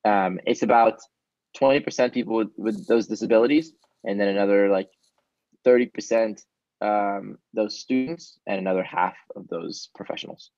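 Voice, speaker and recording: A man's voice: lowish voice, normal speed, a little mellow, no echo, dull audio. A man whose first language is Hebrew, a startup founder giving casual, earnest interview answers with frequent ums.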